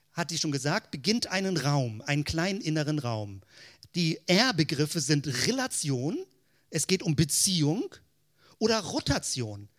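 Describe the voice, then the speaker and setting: A man's voice: fairly high pitch, fairly bright tone. A man giving a theological teaching talk, explaining step by step in keyword lists and asking rhetorical questions. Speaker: Christian teacher.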